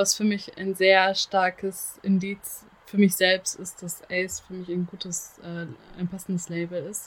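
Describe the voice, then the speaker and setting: A woman's very slow, flat, monotone voice at medium pitch, with hardly any pauses and big swings in loudness. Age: 20s. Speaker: podcast guest sharing life story. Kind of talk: interview. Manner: hesitant, many fillers.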